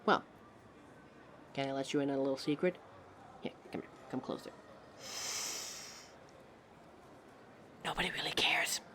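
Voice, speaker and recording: A woman's voice: a bass voice, steady tone, fairly quick, a bit bright, slight background noise. A woman voicing a living fashion mannequin in a scripted audio roleplay, haughty yet encouraging, with a dramatic, articulate delivery aimed straight at the listener. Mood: earnest, chiding, then confiding. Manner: theatrical, dramatic, articulate, addresses listener as darling.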